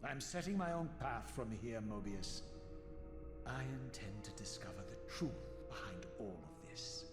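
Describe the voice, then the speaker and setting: An actor playing a proud, scornful undead spirit of vengeance in a video game, speaking with sardonic, theatrical precision. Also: male voice, on the low side, lively intonation, a little slow. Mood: defiant. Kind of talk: dramatic video game voice acting. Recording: echoey long reverb, game music behind.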